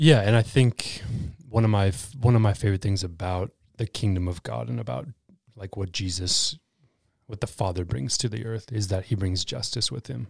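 A man's fairly low, somewhat breathy voice at a moderate pace, on a very clean recording with a silent background. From North Dakota. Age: 20s. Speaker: pastor and business coach. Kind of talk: casual chat. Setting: studio.

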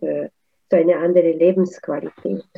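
Speaking at a fairly slow pace, a woman talks with a Hungarian accent. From Romania, Hungarian-speaking region. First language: Hungarian (speaking German). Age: 50s. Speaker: yoga teacher. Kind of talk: interview. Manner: hesitant, many fillers.

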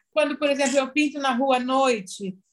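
Here is a woman speaking. Her voice sits high in pitch. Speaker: painter. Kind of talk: casual chat. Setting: video call.

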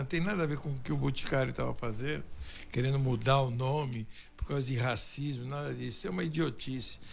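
Speaking at a moderate pace, the man sounds somewhat breathy. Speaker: business association president and co-host. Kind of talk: radio interview.

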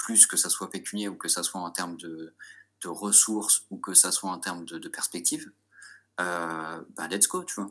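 A man speaks at a fairly slow pace in a very deep, low pitch with a bright, sharp tone. The recording is very clean with a silent background. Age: 20s. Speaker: UX/UI designer and startup founder. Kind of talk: interview. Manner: hesitant with fillers.

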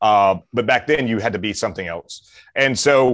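A man with a Southern US accent over a quiet background. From Mississippi, US South. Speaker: former special forces veteran and business founder. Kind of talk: interview conversation.

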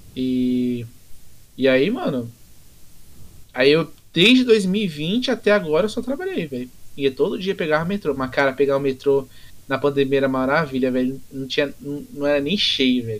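A man speaks at a moderate pace in a fairly high pitch. He takes long, frequent pauses. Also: lively intonation. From Brazil, São Paulo city. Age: 20s. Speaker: podcast guest. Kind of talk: casual chat.

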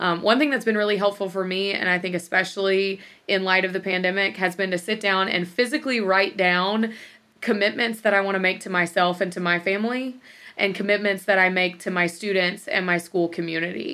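At a fairly quick pace, a woman with an American accent speaks in a bright, sharp tone at a medium pitch with fairly even intonation. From Georgia, US South. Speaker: high school English teacher. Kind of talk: podcast interview.

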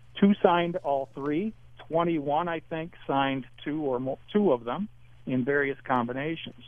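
With an American accent, a man talks at a fairly high pitch and ordinary pitch variation. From West Michigan, US (Muskegon). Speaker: judge and author. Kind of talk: radio interview.

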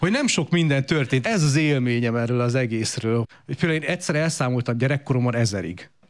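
A plain, everyday voice from a man, at a moderate pace with ordinary pitch variation. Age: 40s. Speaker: comedian. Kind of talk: stand-up comedy. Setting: stage with audience.

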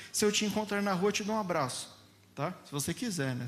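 Audible room echo surrounds a man who talks at a fairly quick pace with lively intonation. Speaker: pastor. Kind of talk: sermon. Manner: soft-spoken.

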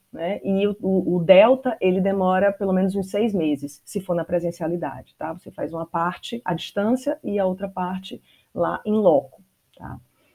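Woman at a medium pitch with a dark, mellow tone, ordinary pitch variation and a moderate pace. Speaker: university English professor. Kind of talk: casual interview. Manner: hesitant, many fillers.

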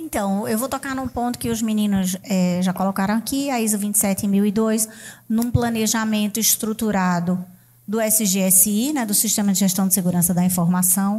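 In a northeastern Brazilian accent, a woman speaks at a moderate pace and medium pitch, her tone dark and mellow and somewhat breathy, with ordinary pitch variation. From Northeast Brazil. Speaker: cybersecurity company CEO. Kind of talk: panel discussion. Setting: stage with audience.

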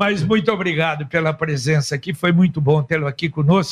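Fairly high for a man, this a normal speaking voice holds a fairly even intonation. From Brazil, São Paulo. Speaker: radio host. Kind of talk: radio talk show interview. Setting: radio studio.

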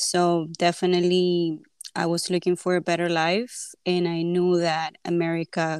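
A woman speaks with a Spanish accent in a fairly low voice. Her intonation is flat and monotone. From Venezuela. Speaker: realtor. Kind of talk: interview. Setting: video call.

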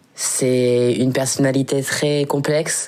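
A woman speaks in a very deep, low pitch, her intonation flat and monotone. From Nice, southern France. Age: 30s. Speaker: podcast guest. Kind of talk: personal testimony interview.

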